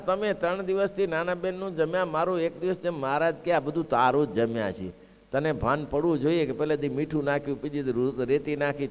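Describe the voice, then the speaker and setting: A man with a fairly high voice preaches a devotional sermon. He tells stories, acts out what the characters say, and turns to his listeners with rhetorical questions. His voice rings out in a hall with a long echo. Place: gurukul assembly hall.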